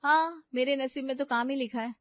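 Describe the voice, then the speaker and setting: A woman's voice: sits high, brisk, no room sound, voice pushed up, close to an everyday voice. A woman voicing a young, frustrated daughter-in-law who pleads and complains in a raised voice, in a dry, dull recording. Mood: complaining.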